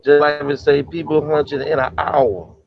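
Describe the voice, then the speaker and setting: A man's voice: a little high, little pitch movement, normal speed. A man talking on a group call whose audio breaks up into glitchy, robotic sound, cutting in with repeated "hold on". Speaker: call-in participant. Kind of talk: casual group call chat. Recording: lo-fi call line with guitar music behind.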